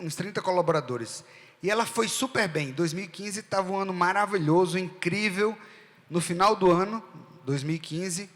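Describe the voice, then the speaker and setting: A man's voice: on the high side, a bit bright. A middle-aged man with a Northeastern Brazilian accent from Rio Grande do Norte, telling a story to a live event audience in a conversational way. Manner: conversational, asks the audience questions. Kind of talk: storytelling keynote talk. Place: event stage in a hall. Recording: long hall reverb.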